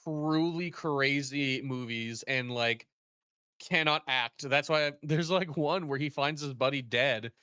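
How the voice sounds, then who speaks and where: A man chatting casually with friends while reacting to a video, amused and a little halting. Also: medium pitch, bright, forceful tone, clear, resonant tone, no room sound, studio quality. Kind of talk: casual chat.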